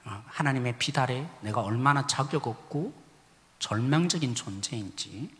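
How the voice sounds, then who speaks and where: A man preaching a sermon as pastor, swinging between loud emphatic lines and hushed whispers. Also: mid-range voice, normal speed. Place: church sanctuary. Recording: long church reverb.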